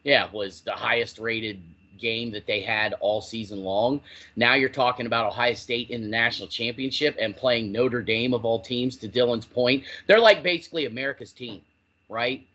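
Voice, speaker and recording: A man co-hosts a sports talk podcast in a chatty, animated way, with casual swearing. His voice sits in an ordinary middle pitch. The recording sounds somewhat dull and lo-fi. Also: moderate pace. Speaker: podcast co-host.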